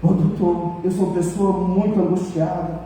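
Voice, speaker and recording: A man with a Brazilian accent voicing a dying, repentant old former drunk who pleads slowly. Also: sits high, flat delivery, warm tone, slight background noise, natural voice. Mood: pleading. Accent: Brazilian Portuguese. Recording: echoey hall, voice from far off.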